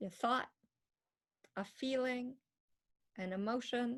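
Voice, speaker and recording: A woman at a very slow pace with ordinary pitch variation, on a very clean recording with a silent background. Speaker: radio show host and spiritual coach. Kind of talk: radio show talk about spiritual practice. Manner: thoughtful, reflective.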